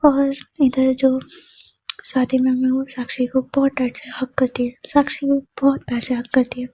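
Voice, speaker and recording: Soft-spoken woman storyteller. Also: high voice, monotone, moderate pace, breathy edge, dry recording, rough recording.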